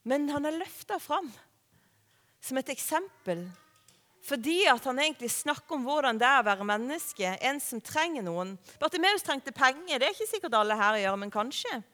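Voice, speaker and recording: High-voiced woman preaching in a hall. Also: lively intonation. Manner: conversational, warm-hearted preaching with rhetorical questions. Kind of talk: sermon. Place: church hall. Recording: long hall reverb.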